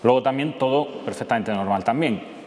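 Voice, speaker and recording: A man in his early forties with a Castilian Madrid accent, giving an informal personal testimony to an audience in a conversational, halting way. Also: mid-range voice, darkish tone. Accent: Castilian Spanish from Madrid. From Madrid, Spain. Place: church interior, seated at a table. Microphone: lapel microphone. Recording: echoey church hall, clear background noise.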